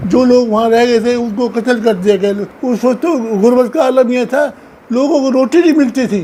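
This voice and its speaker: Amid noticeable background noise, a man with an extremely high pitch talks at a moderate pace with ordinary pitch variation. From Chittorgarh, India; raised in Multan, Pakistan. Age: 80s+. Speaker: partition survivor. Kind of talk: oral history testimony.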